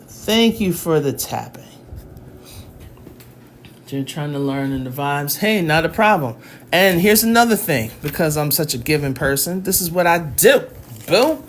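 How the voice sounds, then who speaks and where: Woman math tutor going live on her phone, teasing the chat, kinda loud and laughy, bit of background hiss. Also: on the low side. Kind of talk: casual livestream lesson.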